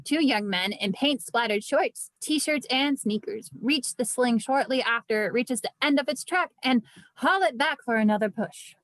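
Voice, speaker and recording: A woman's voice: fairly high pitch, normal speed, a bit bright, no echo, poor audio. A woman narrating stage directions from a script at a table read.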